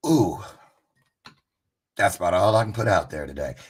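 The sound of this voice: In a put-on character voice, a man sounds raspy and hoarse at a medium pitch, speaking at a moderate pace with big swings in loudness.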